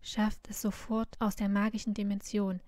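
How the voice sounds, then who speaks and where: A stern headmistress of a school of magic giving urgent commands in a storybook reading, as a woman reads her part. Her voice stays level and even in pitch. The sound is close and dry, with no room around it. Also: moderate pace, dry recording, natural voice.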